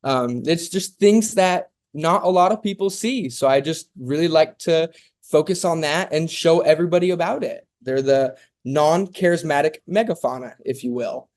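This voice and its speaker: A man from Oklahoma speaks as a podcast guest in a slightly high voice. His talk is casual and meandering, full of "um"s and "and stuff.". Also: normal speed. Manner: relaxed and rambling, with many "um"s and "and stuff". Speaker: guest, zoo founder.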